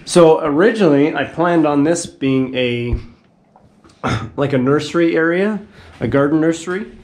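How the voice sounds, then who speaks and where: A man's voice: fairly high pitch, moderate pace, darkish tone. Rambling man on a home tour. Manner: rambling, self-correcting, frequent throat clearing. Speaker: homeowner giving a house tour. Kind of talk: casual handheld tour narration.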